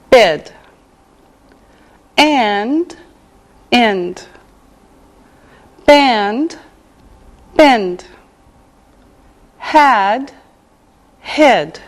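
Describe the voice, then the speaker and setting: A middle-aged woman teacher from Canada leads an English lesson at a very slow, deliberate pace. Her voice sits a little high. She spells out each word with great care. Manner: slow, carefully enunciated. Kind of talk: scripted language lesson.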